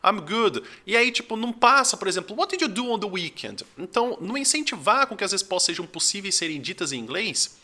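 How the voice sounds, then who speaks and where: A young man from Brazil explains his teaching in a loose, chatty lesson. His voice sits high and very bright, and his pitch moves a lot, rising and dipping as he makes his points. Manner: conversational, lots of fillers like "tipo assim". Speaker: English teacher. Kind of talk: casual talking-head lesson.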